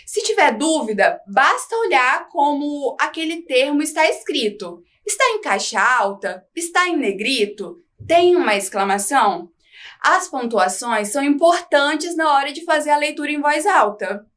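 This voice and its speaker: High-voiced woman teaching a lesson. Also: very animated, a bit bright. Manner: slow, clear, didactic reading with questions to students. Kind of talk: recorded classroom lesson.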